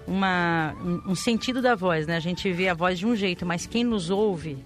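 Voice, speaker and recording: A woman's voice: fairly low pitch, moderate pace. A woman with a Brazilian accent co-hosting a radio show, chatting and explaining things in a casual way. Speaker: radio co-host. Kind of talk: casual radio chat with health tips. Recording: music under the voice. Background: background music.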